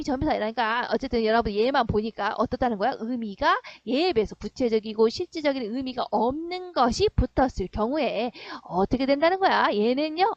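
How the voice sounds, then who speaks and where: High-voiced woman teaching, quizzing students. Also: dry recording. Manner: animated, quizzing students with rhetorical questions. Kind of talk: online grammar lesson. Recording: slightly dull, dry sound.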